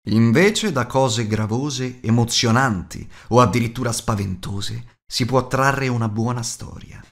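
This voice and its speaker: A man narrates an audiobook at a medium pitch. He reads scripted prose expressively, as a storyteller would. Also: a little slow.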